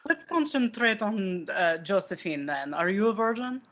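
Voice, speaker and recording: Female reader as male vampire prankster: deadpan, smug, mid-pitched, script read on a home video call. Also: moderate pace. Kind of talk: table read of a film script.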